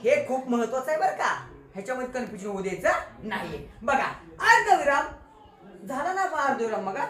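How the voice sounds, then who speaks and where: A woman's voice: high voice, big pitch swings, a little fast, a bit bright. A woman teacher with a Marathi accent, playfully quizzing a class of children and teasing them. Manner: playful, teasing, quizzes pupils with call-and-response. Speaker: school teacher. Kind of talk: classroom grammar lesson. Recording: echoey classroom with children's voices.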